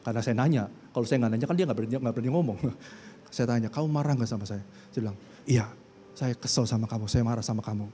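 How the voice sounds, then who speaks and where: A man preaching a sermon in a church, talking conversationally and acting out what people say, then reading scripture loudly. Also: medium pitch, a little hiss or hum. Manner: conversational, acts out quoted speech, rises to loud scripture reading. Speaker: pastor. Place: church hall. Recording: long church hall reverb.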